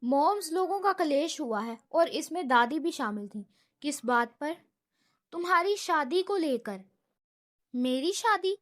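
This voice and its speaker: High-voiced woman narrating a novel. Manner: animated, voices male characters in quoted lines. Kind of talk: storybook narration with acted dialogue.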